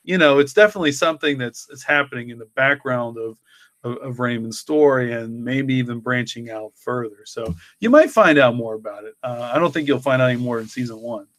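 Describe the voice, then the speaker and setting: A man chatting casually as a story's co-creator, in a halting, rambling way that often repeats words. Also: medium pitch, a bit bright, no room sound. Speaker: co-creator and writer discussing his story. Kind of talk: casual chat.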